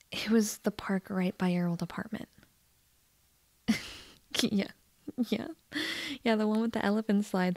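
A woman playing a shy, nervous teenage girl in love with a best friend, in a breathy, hesitant ASMR roleplay whisper. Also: fairly high pitch, dry recording, exaggerated voice. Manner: hesitant, halting, tender.

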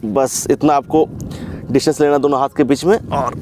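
A man's voice: mid-range voice, steady tone, normal speed, noisy background. A young man coaching a bodyweight chest workout, giving short commands while counting reps, recorded outdoors in an open field. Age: young adult. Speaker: fitness coach. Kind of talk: workout instruction.

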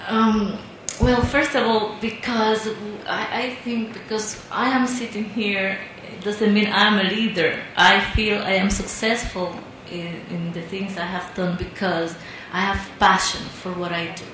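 A woman answering on a conference panel in a measured, reflective way. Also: medium pitch, flat delivery, fairly bright tone. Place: large conference hall. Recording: echoey hall with background hiss.

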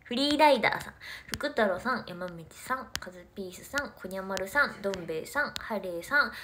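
A young woman on a casual late-night idol livestream, speaking politely to her senior and telling stories with soft laughs. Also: medium pitch, lively intonation, fairly quick, background noise. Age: young adult.

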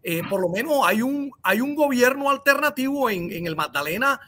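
A man's voice: very high voice, expressive, moderate pace, noisy background. A man on a video call panel, insistent and repeating his points. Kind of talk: casual talk show banter.

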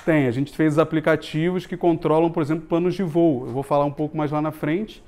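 A man's voice: fairly high pitch, brisk. A man in his thirties with a Brazilian accent, giving a casual, jokey meetup talk in a small office room, recorded from a far camera. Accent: Brazilian Portuguese. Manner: informal, jokey, swears casually, lively hand gestures. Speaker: meetup speaker on UX.

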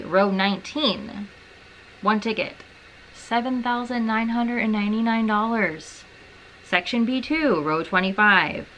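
A woman's voice: medium pitch, bright, forceful tone, a little hiss or hum, low-quality recording. A young woman in her twenties chatting casually to camera in a small bedroom, with wry, self-mocking asides. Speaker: lifestyle vlogger. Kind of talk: casual vlog chat to camera.

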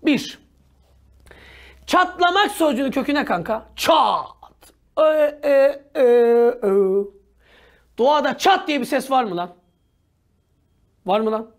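A male teacher giving an energetic, joking grammar lecture in a slangy manner, now and then bursting into shouts. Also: very high-pitched, slow, pauses often.

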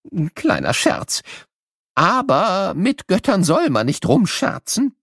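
A man's voice: high voice, wildly swooping pitch, takes it slowly, gravelly, fairly bright tone, no echo, clean studio sound, voice pushed up, full character voice. A man voicing an eccentric, jokey old professor who playfully teases and quizzes children in an educational audio play. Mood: playful, teasing. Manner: playful, teasing, full of questions and chuckles.

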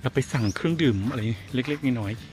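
A man's voice: mid-range voice, fast, darkish tone, faint music behind. A man vlogging casually while walking outdoors, chatty and exclaiming as he talks to his viewers. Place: outdoors on a street and in a garden cafe.

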